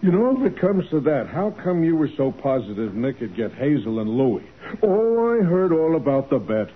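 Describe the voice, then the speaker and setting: An actor playing a hearty, teasing police sergeant in a 1940s radio drama, jovial and needling. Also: male voice, fairly high pitch, very animated, normal speed, husky. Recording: narrow-band 1940s radio recording.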